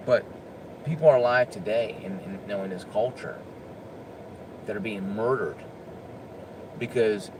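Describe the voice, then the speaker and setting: A man with a low-pitched voice holds forth in an unscripted opinion rant. He talks with emphasis and often stumbles into repeated restarts. A clear hum of air conditioning and passing traffic runs under the recording. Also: animated, a little slow, pauses often. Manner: emphatic, with frequent stammered restarts. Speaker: political commentator.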